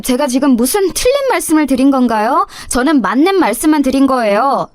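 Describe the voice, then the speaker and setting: A woman's voice: sits high, no echo, voice pushed up. A woman playing a sneering young daughter-in-law. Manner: sarcastic, mock-polite. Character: young insolent daughter-in-law, mocking, sly, cruel.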